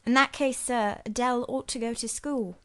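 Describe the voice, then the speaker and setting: A woman's voice: on the high side, fairly even intonation, normal speed, natural voice. A woman voicing a young governess who speaks politely but holds her ground. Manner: restrained, polite, quietly firm.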